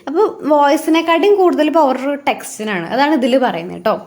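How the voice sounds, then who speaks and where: A woman's voice: sits high, sing-song, fast, darkish tone. A woman tutor with a Malayali accent, explaining exam material in a casual lesson, often restating points and asking rhetorical checks.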